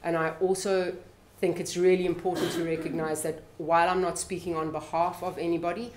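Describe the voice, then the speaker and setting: A woman's voice: lowish voice, little pitch movement, fairly quick, background noise. Impassioned South African woman in an echoey room. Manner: impassioned, emphatic. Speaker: panelist, activist. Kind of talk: press conference panel remarks. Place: press club conference room.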